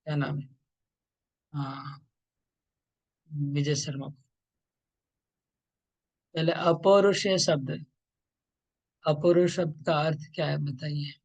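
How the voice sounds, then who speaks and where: A man teaching a scripture class online, explaining slowly and emphatically, repeating points. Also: a little high, steady tone. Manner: slow, emphatic, repetitive explaining.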